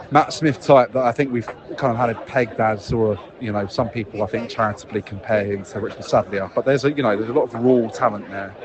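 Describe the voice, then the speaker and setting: A man's voice: mid-range voice, poor audio. A man leaving a casual, unscripted match report as a fan, hesitant but thoughtful and analytical. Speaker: football fan leaving a voicemail.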